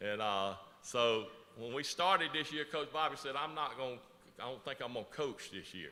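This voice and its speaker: A man's medium-pitched voice, bright and sharp in tone, with a Southern US accent and lively intonation. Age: 60s. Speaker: school basketball coach. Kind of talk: awards ceremony speech. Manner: informal, folksy.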